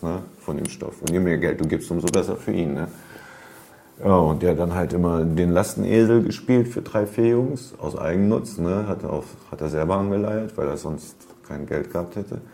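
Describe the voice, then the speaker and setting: Rambling through tales from his past, a storyteller leans heavily on street slang and fillers in a casual way. His low voice is creaky and dark in tone, and he talks briskly.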